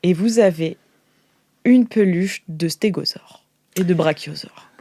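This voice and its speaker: A woman's voice: lowish voice, measured pace, warm tone. A woman hosting an improvised tabletop game, narrating in a conversational, hesitant way as game master.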